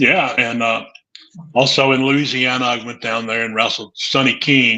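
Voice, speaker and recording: A man speaks at a moderate pace in a medium pitch with a Mississippi accent, his intonation monotone and flat. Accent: Southern US (Mississippi). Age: 50s. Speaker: retired pro wrestler and wrestling promoter. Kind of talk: interview.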